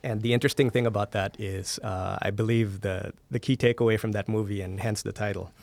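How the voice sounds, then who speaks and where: A man with a fairly low voice talks as a guest in a podcast interview. He explains in a conversational way, using examples and checking in with the listener. The studio sound is close and dry. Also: steady tone, brisk, vocal fry, darkish tone, dry recording. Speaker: podcast guest, media entrepreneur. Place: recording studio.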